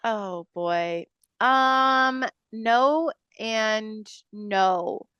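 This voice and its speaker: A woman's voice: on the high side, very slow, pushed and bright, clear, resonant tone, dry recording, dull audio. A woman co-hosting a podcast in casual chat, with a blunt, emphatic way of talking. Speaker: podcast co-host.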